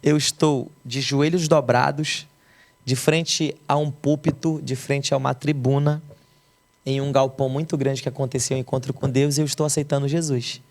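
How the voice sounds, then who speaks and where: A man's voice: medium pitch, little pitch movement, moderate pace. A young adult man from Brazil, a pastor, telling the emotional story of his conversion as a testimony.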